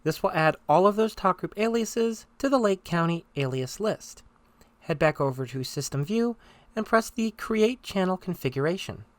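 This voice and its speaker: A presenter giving step-by-step software tutorial narration in an instructional, conversational manner. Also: medium pitch, animated, moderate pace, no echo.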